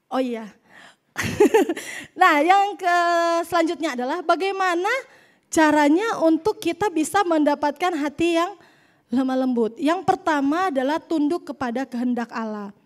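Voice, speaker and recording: Woman preacher, high voice, lively jokey sermon delivery. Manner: lively storytelling, jokes with the congregation.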